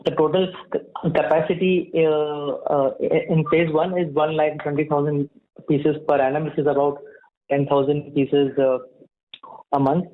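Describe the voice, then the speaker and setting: Halting Indian male executive on conference line. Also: on the high side, flat delivery. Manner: halting, hesitant, repeats words. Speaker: company executive. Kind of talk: earnings call answers, semi-formal. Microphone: conference call line. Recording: muffled narrow-band conference phone line.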